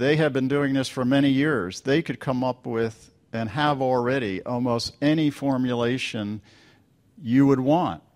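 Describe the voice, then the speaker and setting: Here a man with an unremarkable speaking voice speaks at a fairly slow pace and medium pitch, with ordinary pitch variation, on a very clean recording against a silent background. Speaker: pharmacology researcher, lecturer. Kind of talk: conference lecture. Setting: conference stage with audience.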